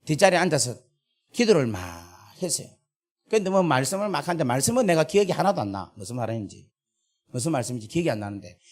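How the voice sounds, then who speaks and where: Animated, high-pitched Gyeongsang-accented male preacher. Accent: Gyeongsang Korean. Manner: emotional, animated preaching with repeated fillers. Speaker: pastor. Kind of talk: sermon.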